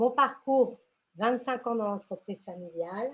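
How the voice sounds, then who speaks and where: Against a quiet background, a woman speaks in a somewhat breathy voice with ordinary pitch variation. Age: 60s. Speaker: model and blogger. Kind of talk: interview. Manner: halting.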